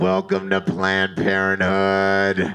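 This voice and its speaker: With clear background noise, a man puts on a robotic character voice, fairly low in pitch and at a fairly slow pace. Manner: deadpan greeting.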